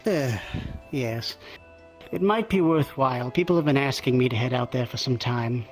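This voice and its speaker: A man's voice: medium pitch, normal speed, soft background music. A man improvising in-character fantasy roleplay conversation, speaking politely and thoughtfully with some hesitation. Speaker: roleplay player. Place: online virtual reality session.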